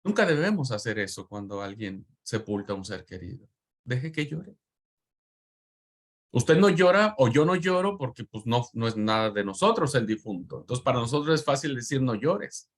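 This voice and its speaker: A man's voice: medium pitch, expressive, moderate pace. A man teaching a Bible class in a preaching manner, fervent, repeating words for emphasis and addressing his listeners as brothers.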